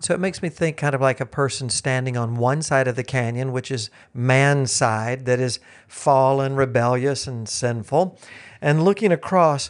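This is a man speaking at medium pitch. He has a normal speaking voice. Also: ordinary pitch variation, moderate pace. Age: 60s. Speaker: teacher and missionary trainer. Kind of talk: casual chat.

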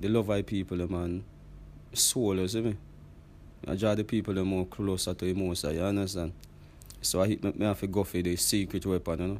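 A man with a strong Jamaican accent and a very deep, low pitch, talking at a fairly quick pace with long, frequent pauses and a monotone, flat intonation. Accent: Jamaican patois, strong. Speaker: dancehall reggae artist. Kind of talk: interview.

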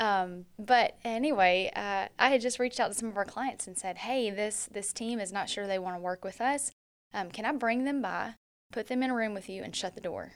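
A woman with a Tennessee accent speaks at a moderate pace and a fairly high pitch, showing ordinary pitch variation on a very clean recording with a silent background. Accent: Southern US (Tennessee). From Middle Tennessee. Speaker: sales team lead. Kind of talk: casual interview chat.

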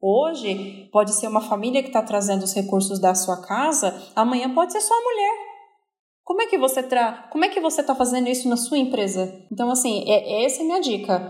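A woman talks at a moderate pace with a fairly high pitch and lively intonation. Hers is an unremarkable speaking voice. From Brazil, São Paulo (Zona Norte). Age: 30s. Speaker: security company director. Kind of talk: podcast interview.

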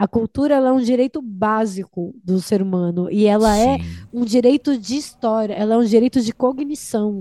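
A woman speaks at a moderate pace with a fairly high pitch and ordinary pitch variation. Her tone is dark and mellow, and the sound is dry and close with no echo. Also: quiet background. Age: 30s. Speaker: singer-songwriter. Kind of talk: casual chat.

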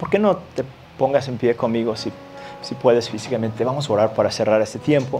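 A man at a fairly quick pace with ordinary pitch variation, music playing behind him. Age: 40s. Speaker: pastor. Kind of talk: sermon.

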